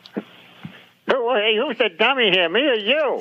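A man puts on a character voice, talking very slowly at an extremely high pitch. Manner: cheeky, wisecracking.

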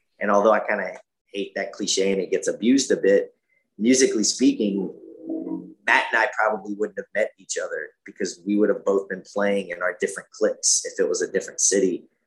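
Music plays in the background while the speech moves at a fairly quick pace. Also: man. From South Louisiana (Lafayette, Cajun country). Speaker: jazz drummer. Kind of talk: interview.

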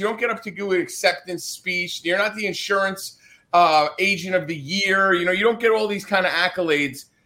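In a raised, projected voice, a man with an American accent speaks at a high pitch. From New Jersey. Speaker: podcast host. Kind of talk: casual interview chat.

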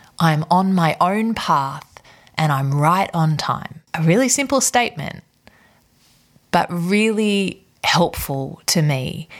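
Someone with an Australian accent speaks at a very slow pace. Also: woman, fairly low pitch for a woman, lively intonation. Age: 40s. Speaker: podcast host and yoga studio owner. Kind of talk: casual monologue.

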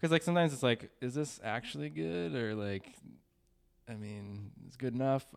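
In an American accent, a man speaks with very wide pitch swings. His loudness rises and falls sharply too. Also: medium pitch for a man, moderate pace. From Minnesota, Saint Cloud area. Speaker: video producer. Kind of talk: casual chat. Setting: studio.

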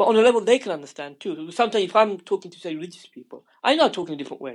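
A man with a south-east English accent. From England, Luton in Bedfordshire. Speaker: LGBT activist and network coordinator. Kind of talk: interview. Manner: halting, many fillers.

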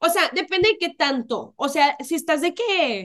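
A woman's raised, projected voice, bright and sharp in tone, with lively intonation at a fairly slow pace. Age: 20s. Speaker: podcast co-host guest. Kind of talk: casual chat.

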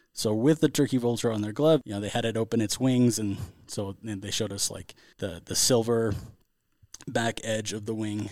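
A man with an American accent and a plain, everyday voice, medium in pitch, at a moderate pace with fairly even intonation, on a very clean recording with a silent background. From Central California. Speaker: former podcast host, biology graduate. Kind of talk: casual interview.

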